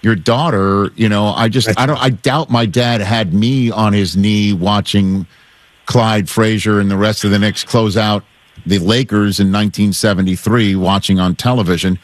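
A man in his fifties hosting a sports talk show, upbeat and chatty with quick asides. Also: on the low side, fairly even intonation, dry recording. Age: 50s.

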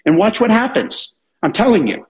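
A radio host pitching a sports betting advice line, talking straight to the listener. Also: big pitch swings, moderate pace, low-quality recording. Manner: direct, talks straight to the listener. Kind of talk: sales pitch for betting service.

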